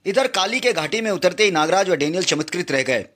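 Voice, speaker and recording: A man's voice: sits high, animated, a little fast, fairly bright tone. A man reading a comic book aloud with dramatic, exclamatory narration.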